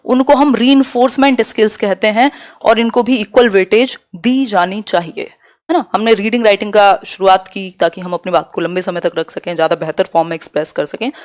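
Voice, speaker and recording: A young woman teaching an exam-prep lecture, explaining terms patiently and often checking that listeners follow. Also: mid-range voice. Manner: spells out and repeats key terms.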